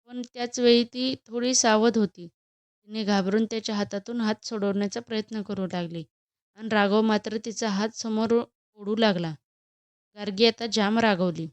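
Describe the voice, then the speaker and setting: A woman reading a romance story aloud as a storyteller, in a steady, expressive narration. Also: mid-range voice, normal speed, dry recording.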